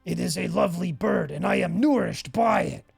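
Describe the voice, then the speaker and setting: A man's voice: sits high, creaky, husky, dry recording, faint music behind, full character voice. A man voicing a boastful male creature who brags while eating. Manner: boastful, loud, fast.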